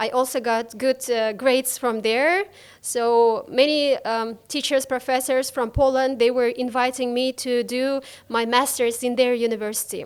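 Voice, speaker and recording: A woman with a Kazakh accent speaks at a moderate pace in a high pitch, her intonation fairly even. The recording is very clean, with a silent background. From eastern Kazakhstan. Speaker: travel vlogger. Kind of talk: interview. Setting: podcast. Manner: halting, many fillers.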